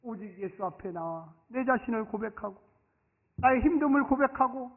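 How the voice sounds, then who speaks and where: A man's voice: extremely high pitch, expressive, normal speed. A man preaching a sermon as pastor in a church sanctuary, emphatic and leading the congregation in repeat-after-me lines. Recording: tinny lo-fi sound in echoey church.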